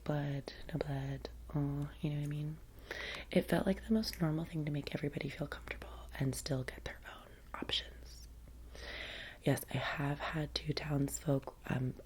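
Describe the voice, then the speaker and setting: A woman with an American valley girl accent playing a chatty, eager personal assistant to a vampire in a soft-spoken ASMR roleplay, in a breathy whisper, rambling with lots of filler words. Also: low-pitched. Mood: chatty, reassuring. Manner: chatty, hesitant, frequent "like" filler.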